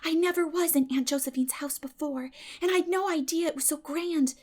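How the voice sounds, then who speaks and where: Woman as a hushed, awestruck whispering girl. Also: sits high, moderate pace, pitched above the performer's own voice. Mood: awed, envious. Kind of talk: dramatic audiobook character reading.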